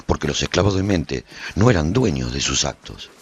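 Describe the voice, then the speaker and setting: A man's voice: rumbling low, expressive, normal speed, slightly rough, heavily acted. An actor playing a haunted warrior who narrates his post-apocalyptic story in a solemn, theatrical, intense way for a radio drama. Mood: solemn, brooding. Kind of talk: dramatic first-person scripted narration.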